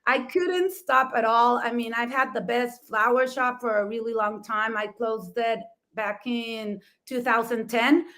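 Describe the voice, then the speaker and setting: Middle-aged woman, Mexican accent, Spanish native, higher pitch; effusive, emphatic storyteller on a talk show. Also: unhurried, hardly any pauses, a bit bright. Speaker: talk show host and florist.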